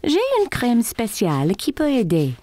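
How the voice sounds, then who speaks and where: A woman voicing a caring, patient young mother in a children's cartoon, speaking in a gentle, reassuring and expressive way. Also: a little high, a little slow.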